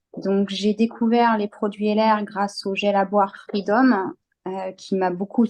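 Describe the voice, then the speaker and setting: A woman's voice with a dark, mellow tone. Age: 40s. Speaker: hairdresser and customer giving testimony. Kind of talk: testimony.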